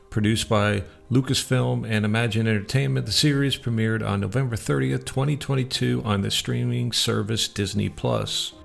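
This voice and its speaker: A man's voice: medium pitch, vocal fry. A man hosting a radio show, presenting and partly reading from notes in an informal way.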